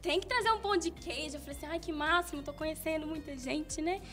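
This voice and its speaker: A young woman from Minas Gerais with a Mineiro accent, a guest singer telling her story with animated, laughing self-quotes. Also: high-pitched, fast talker, faint music behind. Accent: Mineiro Brazilian Portuguese. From Minas Gerais, Brazil. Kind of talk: casual interview chat.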